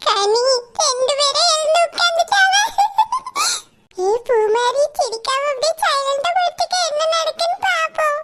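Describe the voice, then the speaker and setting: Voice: extremely high pitch, normal speed, heavy background noise. A performer voicing a mischievous little village girl in a cartoon, playful and conspiratorial, with a southern Tamil Nadu accent. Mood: playful scheming. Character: mischievous little village girls plotting pranks at bedtime. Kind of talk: Tamil cartoon character dialogue.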